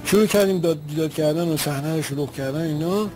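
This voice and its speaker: A man's voice: fairly high pitch, darkish tone, a little hiss or hum, rough recording. A man giving spoken testimony as an eyewitness, retelling events in an earnest, vivid way.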